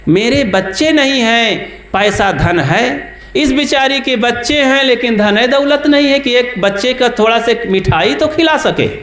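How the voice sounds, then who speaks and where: A man voicing a kindly, childless old man who gently coaxes a crying boy, within a sermon story. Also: very high-pitched, lively intonation, a little slow, echoey room, voice pushed up, heavily acted. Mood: pleading. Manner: coaxing, gentle.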